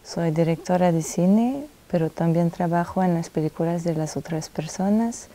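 A young woman from France, a film director speaking, answering interview questions in a halting, thoughtful way with many pauses and self-corrections, seated in a dark cinema auditorium. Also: lowish voice, slight background noise. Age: young adult.

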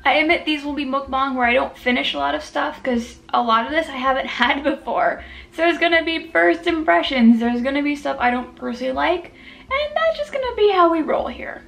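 A woman's voice: high-pitched, animated, brisk, gravelly, a bit bright. A woman hosting a mukbang, chatting casually about desserts while chewing and tasting. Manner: chatty and self-deprecating, talks while chewing. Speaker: food vlogger.

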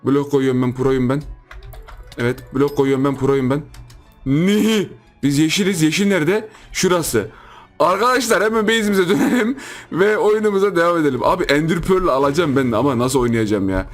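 A man's voice: a little high, lively intonation, a little fast, faint music behind. A young man giving casual, joking gameplay commentary, full of exclamations and laughter. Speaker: gaming YouTuber.

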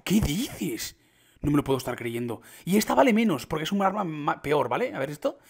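A young man with an accent from Spain, reacting to a game update and talking it through for his viewers, keeping his voice down late at night until excitement breaks through. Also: a little high, fast, gravelly. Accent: Spain Spanish. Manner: hushed and restrained, bursting into excited exclamations. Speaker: gaming youtuber.

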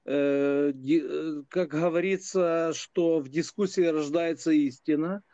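A man from Ukraine calling into a live stream, debating in a halting, deliberate way with drawn-out hesitations over an internet call. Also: on the high side, steady tone, warm tone, no room sound. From Lviv, Ukraine. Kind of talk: unscripted debate. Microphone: internet video call. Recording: dull lo-fi call audio.

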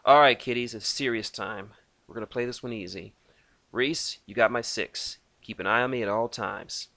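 Guy voicing a cocky merc boss, teasing, gravelly tone, dry. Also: medium pitch, moderate pace, bright, forceful tone, dry recording. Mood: brash. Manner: brash, teasing. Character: cocky human male mercenary leader.

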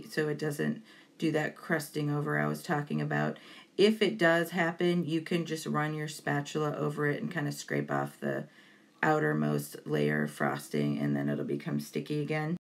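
A woman's voice: low voice, vocal fry. A woman giving an informal step-by-step tutorial voice-over in a chatty way, encouraging to beginners. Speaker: baking tutorial host.

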